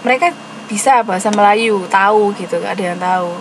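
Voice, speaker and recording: A woman's voice: medium pitch, brisk. A woman teaching an online English class with a Javanese accent, explaining patiently and dropping English terms into her speech. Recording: noisy room with air conditioning.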